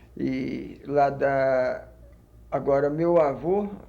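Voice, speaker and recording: There is audible room echo as a man speaks. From Brazil, Minas Gerais (Triângulo Mineiro, Monte Alegre area). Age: 60s. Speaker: life-story interviewee. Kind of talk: oral history interview.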